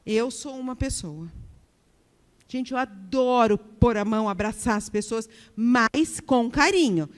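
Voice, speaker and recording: A woman's voice: fairly high pitch, lively intonation, unhurried, in a large hall. A Brazilian woman giving a workplace harassment training to a live audience. She keeps checking in with the room and acts out example remarks.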